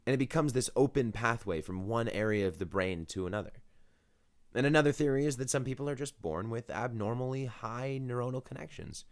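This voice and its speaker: A man's voice: medium pitch, animated, fairly quick. Upbeat male podcast host. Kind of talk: scripted narration and casual interview.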